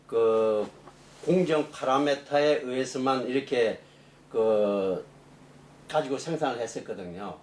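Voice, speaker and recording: A middle-aged man, a professor being interviewed, explaining technical matters off the cuff in a halting way. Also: mid-range voice. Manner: halting, explanatory, rephrasing as he goes. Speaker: engineering professor, interview guest. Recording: echoey room, distant mic, faint noise.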